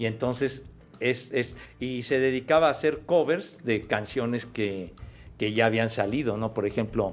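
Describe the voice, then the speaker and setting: A man's moderately paced speech comes through on a very clean recording with a silent background. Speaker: sports podcast co-host and baseball radio announcer. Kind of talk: casual chat.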